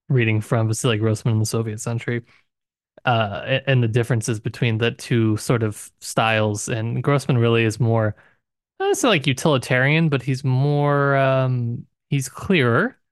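A man's voice: medium pitch, no echo. Dry-recorded man talking books casually. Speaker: podcast co-host. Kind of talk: casual literary discussion.

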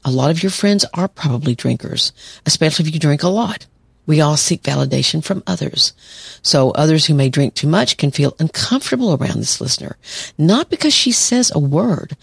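A woman's voice: deep voice, gravelly, breathy edge, dry recording, clean studio sound. A middle-aged woman hosting an advice podcast, talking things through reflectively and telling stories. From southern United States. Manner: reflective, storytelling. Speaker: podcast host, therapist.

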